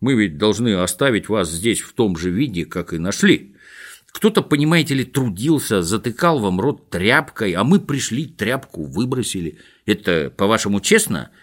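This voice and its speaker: A man's voice: fairly low pitch, very animated, moderate pace. A man doing a sly, mock-polite swindler. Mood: sly moralizing. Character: smug, sly male swindler bargaining. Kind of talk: audiobook character voice.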